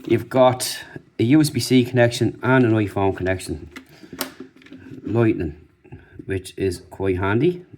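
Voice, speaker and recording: Male product reviewer, lowish pitch, informal unscripted unboxing commentary, noisy recording. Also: unhurried, long pauses, darkish tone. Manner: informal, off-the-cuff demonstrating.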